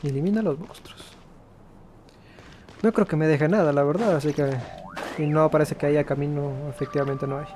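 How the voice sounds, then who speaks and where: A man's voice: fairly high pitch, fairly even intonation, a little fast, pauses often, darkish tone. A man giving casual gameplay commentary as a gaming host. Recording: faint background noise.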